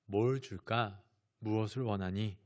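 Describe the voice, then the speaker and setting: A man doing a calm, low, gentle teacher. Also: a little slow, lightly acted. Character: calm, gentle male teacher speaking softly.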